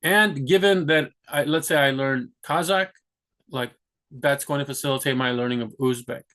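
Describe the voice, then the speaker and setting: Young man, casual vlog monologue, rambling with lots of restarts, mid pitch. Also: moderate pace, sharp tone. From United States. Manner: rambling, many restarts and "like" fillers. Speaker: vlogger. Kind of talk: casual talk to camera.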